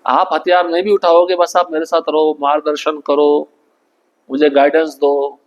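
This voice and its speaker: A man leading a devotional scripture class, retelling the story and chanting Sanskrit verses slowly. He often asks the class a question and then answers it himself. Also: fairly high pitch, level tone, dull audio.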